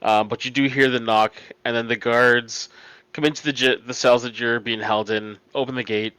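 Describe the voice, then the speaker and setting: A man's voice: medium pitch, steady tone, moderate pace, bright, forceful tone, clean tone, no echo, rough recording. A man narrating a tabletop role-playing game as its game master.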